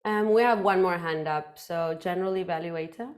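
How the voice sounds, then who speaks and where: A woman in her thirties whose first language is Afrikaans, giving an animated, playful workshop talk on public speaking into a headset mic. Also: fairly low pitch, normal speed. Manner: animated, gestures a lot, playful.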